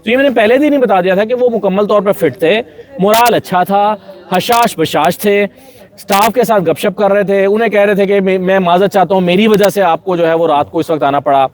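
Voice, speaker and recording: A man's voice: high voice, a little fast. A man with a Pakistani accent giving conversational political analysis as a journalist, repeating phrases for emphasis.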